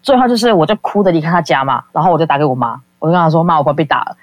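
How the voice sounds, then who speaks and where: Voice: medium pitch, sing-song, rapid-fire, no room sound, lo-fi sound. A caller, telling a personal story in a casual, rambling way, full of fillers and acting out the people quoted. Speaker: call-in guest.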